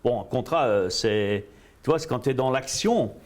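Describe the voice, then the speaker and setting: A man, a guest coach telling his story in an interview, animated and repetitive, slipping in English phrases. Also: medium pitch, normal speed. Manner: animated, repeats himself, drops English phrases.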